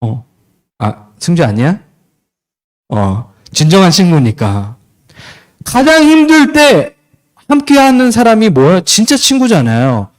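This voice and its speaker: Young male youth pastor, high and lively, preaching to teens with questions and acted scenes. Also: measured pace. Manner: asks the students questions and acts out short scenes. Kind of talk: youth sermon.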